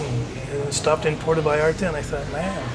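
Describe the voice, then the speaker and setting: A man speaks at a fairly quick pace with a fairly high pitch. The room echoes audibly, and background noise is noticeable. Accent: American. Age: 60s. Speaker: retired engineer and business owner, expat. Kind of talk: casual interview chat. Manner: halting, repeats words.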